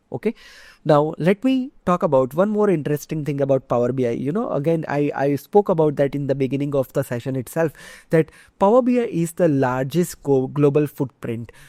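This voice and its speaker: Dark, mellow speech at a fairly quick pace, with ordinary pitch variation and a dry sound with no echo against a quiet background. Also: man, fairly high pitch for a man. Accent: Gujarati. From India, Gujarat. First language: Gujarati. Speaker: software tutorial instructor; software trainer. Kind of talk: tutorial; lecture. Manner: conversational, with filler words.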